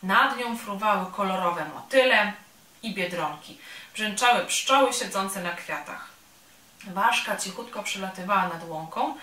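Woman storyteller, calm gentle reading, bright voice, roomy echo. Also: mid-range voice. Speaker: storyteller at a cultural centre workshop. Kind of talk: reading a children's story aloud. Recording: roomy sound from a distant mic.

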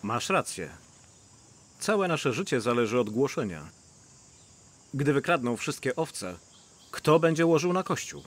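A man's voice: medium pitch, sing-song, unhurried, pauses often. A middle-aged man dubbing the role of an anxious pastor in a film. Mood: agreeing. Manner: anxious, troubled.

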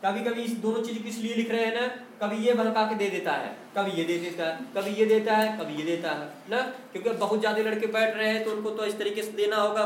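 High-voiced man lecturing in an echoey classroom. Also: a little hiss or hum. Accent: North Indian, Uttar Pradesh. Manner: repeats questions to the class and asks for confirmation. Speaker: teacher. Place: classroom with a board.

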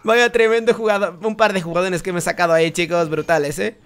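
A young man commentating his own game, excitable and prone to shouting and repeating words in bursts. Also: sits high, quick pace, smooth. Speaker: gaming YouTuber. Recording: music playing underneath.

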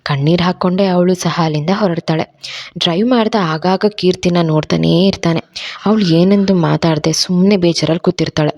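A woman narrating an audio love story in a steady, even storytelling manner. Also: fairly low pitch, a little fast. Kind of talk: scripted narration.

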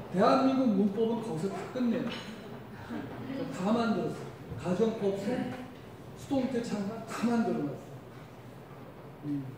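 A middle-aged man giving an informal, conversational lecture to a room of teachers. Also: high voice. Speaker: English teacher presenting to fellow teachers. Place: indoor lecture room with projector screen. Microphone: handheld microphone, heard through the room by a distant camera. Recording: echoey room from far off, noisy.

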